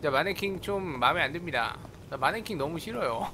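Very noisy audio, game sounds included, surrounds this gaming video host as he talks fairly quickly. His voice is a little high and animated, and his relaxed live commentary is full of playful exclamations aimed at the characters.

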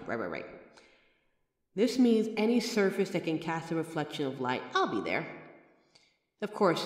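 Brief: woman as a talkative, kind mirror-reflection girl, lively pitch, echoey reverberant room. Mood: chatty. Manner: chatty, warm-hearted reassurance, self-aware rambling. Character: chatty friendly female mirror reflection, reassuring. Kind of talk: comfort roleplay audio. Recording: roomy echoey recording with long reverb.

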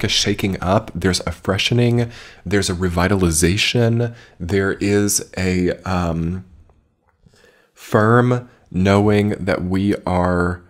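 A man with a slightly scratchy voice from a cold, giving a casual, rambling monthly astrology forecast with many fillers. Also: low-pitched. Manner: rambling, filler-heavy, reflective. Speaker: astrology reader.

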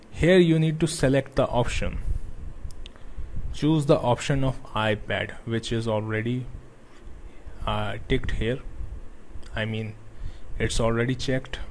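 A man's voice: mid-range voice, darkish tone. Young guy, english not his first language, walks thru a pc how-to, lots of uh's, mid voice, bit of faint room noise. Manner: non-native English with grammar slips, many "uh" pauses. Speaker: tech tutorial host. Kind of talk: screen-recorded tutorial.

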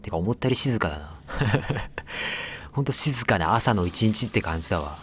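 A man's voice: fairly low pitch, lively intonation, moderate pace, a bit bright. A man giving casual let's play commentary, chatting to the game and its characters as he plays. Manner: chatty, talks back at the game, apologizes for noise.

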